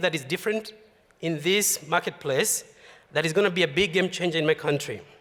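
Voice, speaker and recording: Fairly quick speech with ordinary pitch variation comes through noticeable background noise. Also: man. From Kenya. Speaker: beverage company founder. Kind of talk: pitch presentation.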